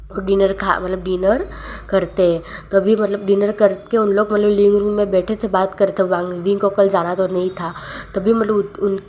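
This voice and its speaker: A woman's voice: mid-range voice, lo-fi sound, a little hiss or hum. A young woman casually retelling a fan fiction story aloud, rambling and often correcting herself.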